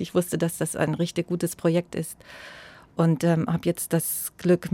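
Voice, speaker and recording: A woman pastor, speaking in a thoughtful, measured way in an interview and growing animated when she stresses a point. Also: fairly low pitch, no echo. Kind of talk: interview conversation.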